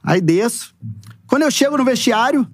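A man's voice: very high voice, normal speed, no room sound, studio quality. A man with a Brazilian Portuguese accent telling football stories in a casual interview, acting out quoted dialogue. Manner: animated, acts out quoted dialogue, frequent "né" and "e tal". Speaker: football coach, podcast guest.

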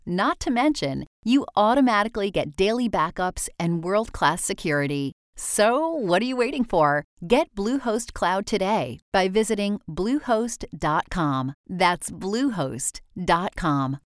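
A woman delivers a scripted commercial with polished sales flair. Her mid-pitched voice moves animatedly, recorded close and very dry. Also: sing-song, a little slow, hardly any pauses, no echo. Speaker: advert voice-over.

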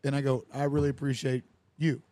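Young man hosting a podcast, lively anecdote teller who plays out the dialogue, mid-pitched, dry close sound. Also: fairly quick, no room sound. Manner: animated storyteller who acts out quoted dialogue with lively voices. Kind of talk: casual storytelling chat.

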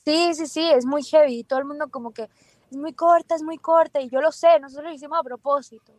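A woman singer being interviewed, talking casually in a lively, quick way. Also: high-pitched, no echo. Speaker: singer guest.

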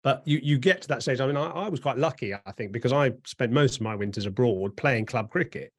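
A man's voice: medium pitch, lively intonation, fairly quick, breathy edge. A man with an English accent hosting a conversational interview, asking chatty, rambling questions. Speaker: interviewer and host.

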